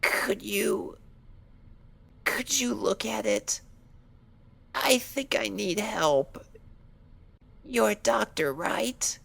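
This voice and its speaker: A woman's voice: medium pitch, very slow, creaky, long pauses, breathy edge, exaggerated voice. A woman voicing a timid, injured young female pony in a dramatized story reading, hesitant and meek, with anxious pleading. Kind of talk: dramatized fan fiction reading.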